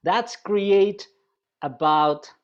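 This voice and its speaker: A man from West Java with an Indonesian accent giving a webinar presentation as a university lecturer. He talks in a chatty, halting way with many restarts and draws listeners in with questions. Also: sits high, clear, resonant tone, muffled recording.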